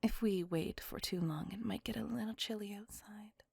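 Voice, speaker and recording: A woman voicing a possessive, doting, centuries-old female vampire in an ASMR roleplay, whispering softly with formal, old-fashioned phrasing. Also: mid-range voice, normal speed, vocal fry, slightly rough, dry recording, faint music behind. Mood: wistful. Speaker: voice actor.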